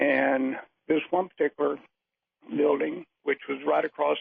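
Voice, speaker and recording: The man talks at a fairly slow pace. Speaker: prison security supervisor. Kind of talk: radio call-in ghost story. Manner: hesitant, many fillers.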